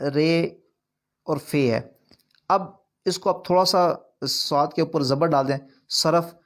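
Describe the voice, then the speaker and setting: A man lectures a recitation class in a gravelly, mid-pitched voice. He explains each point earnestly, repeating it and pushing his pitch up on the key words. Urdu is not his first language. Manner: earnest, repetitive explaining with rising emphasis. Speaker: naat recitation teacher. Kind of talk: online course lecture.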